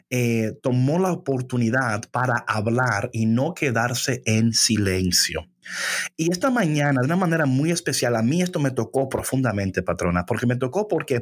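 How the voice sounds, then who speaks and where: A man speaks on a faith podcast in a preacherly, expressive manner. His voice is slightly husky and moves lively up and down in pitch. He switches into English phrases now and then. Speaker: podcast co-host.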